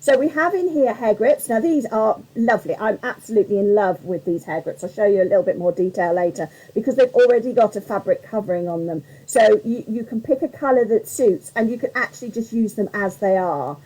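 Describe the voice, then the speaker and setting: A woman with a slightly croaky voice hosting a live craft tutorial, chatting in a rambling way and greeting viewers by name. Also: mid-range voice, brisk, few pauses, warm tone, poor audio.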